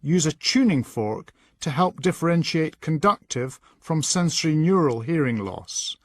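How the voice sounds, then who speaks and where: A man reading scripted instructional narration in a measured, instructing manner. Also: on the high side, lively intonation, no room sound. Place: dry voice-over recording.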